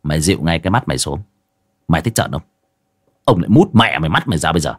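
A man's voice: low voice, lively intonation, fast talker, fairly bright tone, slightly rough, voice pushed down, full character voice. A man playing a brash, foul-mouthed young exorcist who scolds and interrogates. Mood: scolding.

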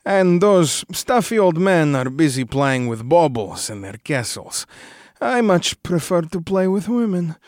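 A man's voice: fairly high pitch, very animated, a little slow, darkish tone, dry recording, studio quality, voice pushed up. A man voicing a cocky male vampire club owner with a thick accent, smug and teasing. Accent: thick foreign accent.

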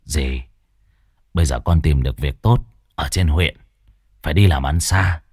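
A man doing a gruff young village thug. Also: a little slow, a little mellow, no room sound, clean studio sound, exaggerated voice. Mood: wheedling. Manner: low, gruff, coarse. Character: surly young village thief, coarse and swaggering.

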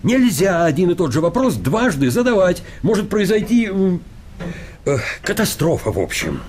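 A man's voice: high-pitched, very animated, normal speed, a little mellow, slight background noise. An actor playing a timid, educated man in a radio comedy, polite and fussy, easily flustered and protesting hesitantly. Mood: flustered, insistent. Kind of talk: radio play comedy acting.

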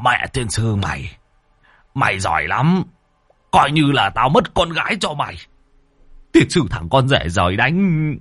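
A man's voice: medium pitch, sing-song, a little slow, long pauses, fairly bright tone, husky, no echo, clean studio sound, exaggerated voice. A man voicing a panicked old father-in-law who stammers and curses as he calls for help. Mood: grumbling.

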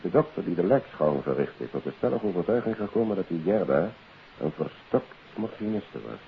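An actor playing a businesslike, deliberate police investigator in a 1950s radio detective drama. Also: male voice, low-pitched, animated. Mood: confiding. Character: matter-of-fact male police investigator reporting on a case. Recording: hissy, tinny 1950s radio recording.

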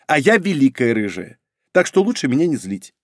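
A woman's voice: very deep voice, sing-song, fairly quick, dry recording, clean studio sound, heavily acted. A male audiobook reader voicing a pushy, pregnant young redheaded wife who nags insistently. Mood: demanding. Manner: insistent, nagging. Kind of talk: audiobook reading.

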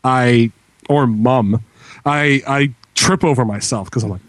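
A man's voice: mid-range voice, a little slow, dry recording. A man co-hosting a casual chat show, teasing and laughing often. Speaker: podcast co-host.

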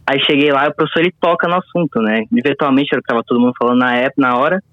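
Late-teens male caller heard over the phone, relaxed and profane, dull dry line. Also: mid-range voice, racing, no echo. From Paraná, Brazil. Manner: laid-back, says "man" constantly, swears freely. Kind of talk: casual call-in chat.

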